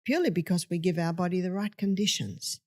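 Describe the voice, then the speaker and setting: A woman's voice: on the low side, fast talker, darkish tone. An older woman speaking as a guest in a conversational interview, emphatic and storytelling, acting out quotes. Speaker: health speaker.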